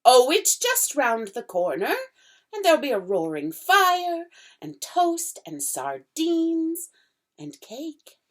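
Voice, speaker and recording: A woman voicing a nervous, polite male fawn who stammers and drops into breathy whispers. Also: high-pitched, wildly swooping pitch, slow pace, fairly bright tone, pitched above the performer's own voice, exaggerated voice. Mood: coaxing.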